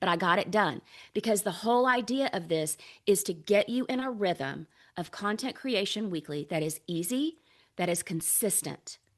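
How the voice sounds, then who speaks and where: A woman with a Southern US accent talks in an animated tone with lively intonation. Her pitch is medium, and the background is quiet. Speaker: visibility and list growth strategist. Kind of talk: webinar talk.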